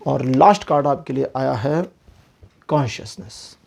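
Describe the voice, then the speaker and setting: A man reading tarot cards and giving relationship advice in a casual, explanatory way, pausing to search for words. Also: mid-range voice, gravelly, a little mellow. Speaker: tarot card reader.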